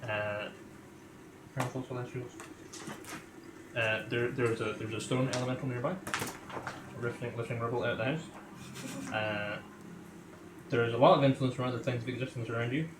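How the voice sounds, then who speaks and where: A man's voice: mid-range voice, steady tone, moderate pace, pauses often, background noise. Game master in an echoey room, male. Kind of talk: improvised tabletop game narration. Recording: echoey room, music underneath.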